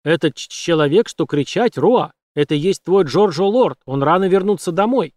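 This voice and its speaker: A man's voice: fairly high pitch, expressive, normal speed, a little mellow, dry recording, studio quality, pitched above the performer's own voice, natural voice. A man voicing an old male gypsy servant in an audiobook, whispering hurriedly in broken grammar. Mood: urgent.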